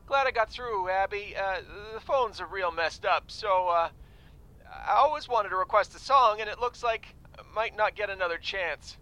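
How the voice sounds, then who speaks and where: A man playing a halting, high-voiced caller. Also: sharp tone, poor audio. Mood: hesitant. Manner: halting, full of uh's, matter-of-fact. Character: hesitant man calling in a song request. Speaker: caller to a radio show.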